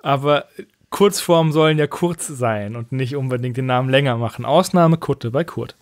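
A man's voice: mid-range voice, moderate pace, dry recording, studio quality. A man co-hosting a podcast in casual, conversational talk. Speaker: podcast co-host. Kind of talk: casual chat.

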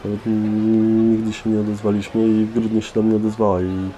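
Low, flat-voiced young man, mellow. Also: brisk, soft background music, low-quality recording. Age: teenager or young adult. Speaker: resident of a youth care centre. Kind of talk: candid personal testimony. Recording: faint background noise.

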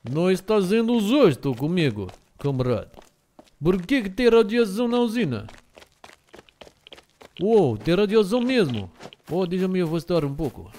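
A man with an Algerian accent, mixing Arabic and French sounds, loudly and excitably commentating his own gameplay. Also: high voice, moderate pace, long pauses. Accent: Algerian, Arabic and French mix. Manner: loud, excitable, shouts into the mic. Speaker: gaming YouTuber. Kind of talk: let's play commentary.

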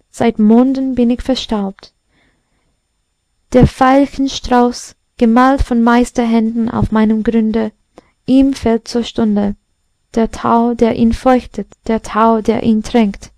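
Woman as a mournful porcelain pot, storybook, singing sorrow, slow, dry close sound. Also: fairly high pitch, fairly even intonation, darkish tone, no room sound. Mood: plaintive. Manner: plaintive, singing lament. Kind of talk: storybook reading.

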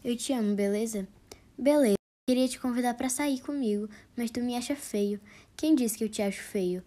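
A woman reading out comic chat exchanges, voicing both sides with quick, deadpan delivery. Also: fairly high pitch. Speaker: narrator reading chat jokes.

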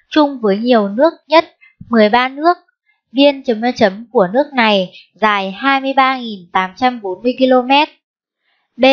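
A woman teaching a primary school spelling lesson, dictating slowly and deliberately and reading out the punctuation for the children. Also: fairly high pitch. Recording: dull lo-fi sound.

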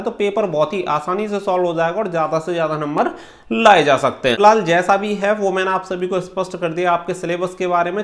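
Male exam coach, thirties, high-pitched voice, instructional delivery with English words mixed in. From India. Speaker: exam-prep coach and channel host. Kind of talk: explanatory talk to camera for exam candidates. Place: small room indoors.

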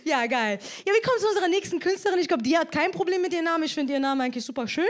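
A woman from Iran hosting a stand-up comedy show, energetic and joking as she hypes the audience. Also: very high-pitched, racing. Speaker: host. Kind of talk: stand-up host patter. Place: comedy club stage with live audience.

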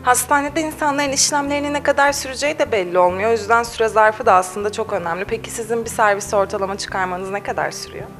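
In a small cafe with faint background music, a young TV reporter reads out scripted questions into a handheld mic in a quick, polished presenter style. Her voice is a little high and steady in tone.

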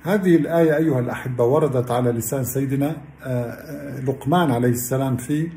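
A man's voice: mid-range voice, quick pace, warm tone, reverberant, slight background noise. Earnest man giving a religious lesson. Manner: earnest, addresses listeners as beloved ones. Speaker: Islamic science lecturer. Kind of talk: religious explanatory talk.

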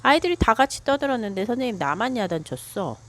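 A woman's voice: on the high side, big pitch swings, fast, pitched above the performer's own voice. A woman reading aloud as a young child who is upset and pleading with a plaintive voice.

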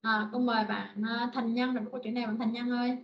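A woman teaching an online vocabulary lesson, repeating words slowly and explaining in short phrases. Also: a little high, flat delivery, lo-fi sound, slight background noise. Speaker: English teacher.

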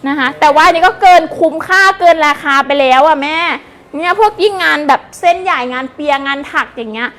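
High-pitched woman, hyped live seller. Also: fast talker. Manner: excitable, gushing, repeats prices and order codes; chatty, addresses viewers with polite endearments. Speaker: live-stream seller of wholesale second-hand clothing. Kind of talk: fast hype live-sale pitch to customers.

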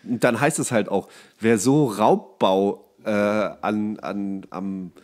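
A man's voice: on the low side, slow pace, a little mellow. Grumbling German man, casual podcaster. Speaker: podcast co-host. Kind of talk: casual comedic chat.

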